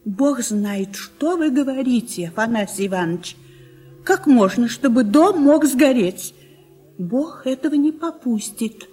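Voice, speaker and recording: Fretful old country granny, highish husky voice, gentle scolding, radio play. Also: female voice, lively intonation, unhurried, soft background music. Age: older. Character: kindly, pious, fretful old country housewife.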